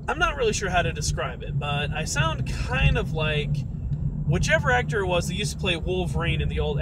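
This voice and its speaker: Chatty young guy driving and talking to viewers, bouncy voice on the high side, loud car hum. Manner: rambling, chatty, friendly asides to viewers. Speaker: massage therapist vlogger. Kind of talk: casual live-stream chat while driving. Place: inside a car. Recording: loud road and car noise.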